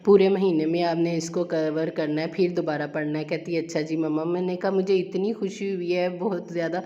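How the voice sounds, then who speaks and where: A middle-aged woman vlogger chats casually with viewers while cooking in her home kitchen, homely and talkative, warmly repeating herself. Her voice is lowish and steady, and the recording sounds muffled.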